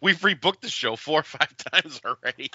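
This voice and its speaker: A man's voice: on the high side, expressive, moderate pace, bright, forceful tone, husky, lo-fi sound. A man co-hosting a podcast in casual, joking banter, often breaking into his own sentences. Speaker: podcast co-host.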